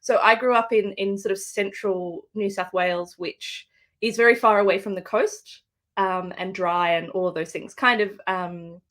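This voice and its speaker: A woman's voice: medium pitch, steady tone, normal speed, fairly bright tone. An Australian woman, an author, speaking thoughtfully with fillers and restarts in a live book interview over a video call. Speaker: guest author.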